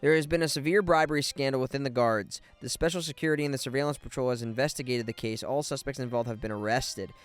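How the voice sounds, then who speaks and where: A man's voice: mid-range voice, fast, few pauses, smooth. A man live streaming a video game, chatty and informal, sometimes stumbling as he reads aloud, with game music behind.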